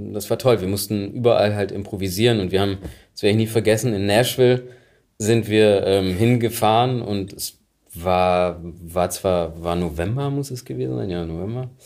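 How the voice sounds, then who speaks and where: A man with an unremarkable speaking voice talks at a moderate pace and fairly low pitch, with ordinary pitch variation, in a very clean recording with a silent background. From northern Germany, Oldenburg. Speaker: actor and voice actor. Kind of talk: casual chat.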